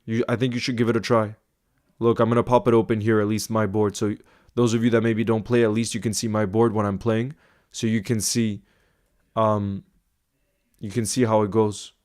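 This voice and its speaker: A man's voice: lowish voice, flat delivery, normal speed, darkish tone. A man hosting a casual football live stream, answering viewer comments in a chatty, thinking-aloud way with small restarts.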